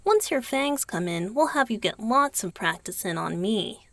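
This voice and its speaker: A woman voicing a gentle, youthful male vampire boyfriend in a romantic ASMR roleplay, soft and hesitant. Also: medium pitch, expressive, normal speed, no echo, lightly acted. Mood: wry, sighing. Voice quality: soft, breathy, husky. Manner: hesitant, tender, sighing delivery.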